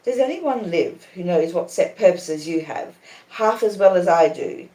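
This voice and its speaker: A woman voicing a proud, cool young lady in a storybook reading, calmly defiant, with measured and emphatic reasoning. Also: fairly low pitch. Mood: cool reproach. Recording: echoey conservatory.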